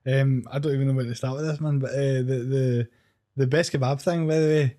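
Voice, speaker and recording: A man's voice: medium pitch, fairly even intonation, fairly quick, mellow. A man with a Glasgow Scottish accent chatting casually in an informal, slangy way. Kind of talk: casual chat.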